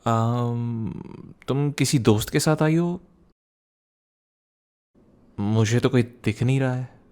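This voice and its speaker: A man playing a young student boyfriend, teasing and protective, in an intimate ASMR roleplay with a soft conversational delivery. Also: mid-range voice, takes it slowly, clean tone, lightly acted. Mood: surprised, concerned.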